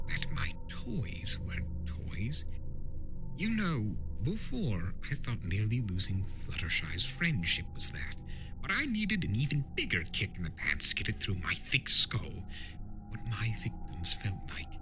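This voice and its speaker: A man's voice: mid-range voice, pitched above the performer's own voice. A man voicing a mischievous chaos spirit from a cartoon, theatrical and swooping in delivery. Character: mischievous male chaos spirit, mocking yet remorseful. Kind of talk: dramatic fan fiction reading of a cartoon trickster.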